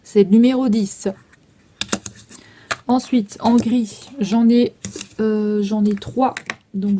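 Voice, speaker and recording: A woman's voice: mid-range voice, warm tone, slight background noise. A woman in her thirties casually going through makeup items for sale, listing prices and numbers with frequent fillers. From France. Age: 30s. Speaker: vlogger selling makeup. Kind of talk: casual sales walkthrough.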